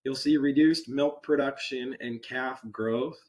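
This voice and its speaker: Hoarse man presenting over a video call. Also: mid-range voice, unhurried. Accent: American. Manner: relaxed, unpolished, frequent ums and uhs. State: hoarse from a cold. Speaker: extension presenter. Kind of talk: webinar presentation. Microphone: computer microphone on a video call.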